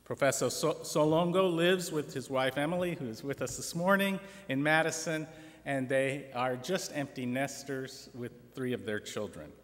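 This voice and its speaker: Earnest college president in echoing hall. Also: male voice, medium pitch. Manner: measured, earnest delivery with occasional restarts. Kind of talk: formal award introduction speech. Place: large hall. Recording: long hall reverb.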